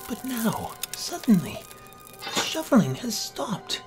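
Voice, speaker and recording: A man reads a horror tale in the first person with brooding, theatrical delivery. He takes it very slowly, in a mid-pitched voice, over prominent music. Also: wildly swooping pitch. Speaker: narrator, amateur voice actor. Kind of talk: dramatic first-person horror story narration.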